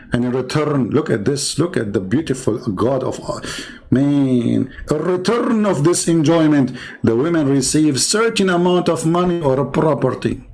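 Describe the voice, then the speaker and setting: A man's voice: mid-range voice, a little mellow, low-quality recording. A middle-aged man giving sarcastic commentary in broken English, reading from a website and mocking what he reads. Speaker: online religious debater.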